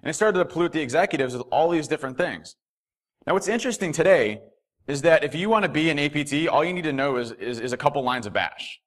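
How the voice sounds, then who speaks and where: Fast-talking man giving a keynote. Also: on the high side. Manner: fast, animated, frequent fillers and restarts. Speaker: keynote speaker. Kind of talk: conference keynote talk. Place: hotel ballroom stage at a podium.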